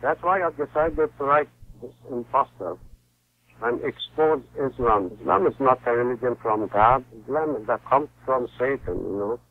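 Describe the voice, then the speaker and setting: A man in his sixties from Palestine, a guest author speaking in a halting way with many fillers and restarts. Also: mid-range voice. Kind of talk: phone-in interview. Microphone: telephone. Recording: tinny phone line.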